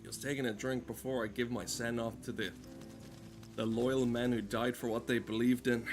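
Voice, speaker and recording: Man, medium pitch, deadpan game streamer, casual mock-solemn delivery, faint music behind. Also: moderate pace. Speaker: gameplay streamer. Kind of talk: casual gameplay commentary.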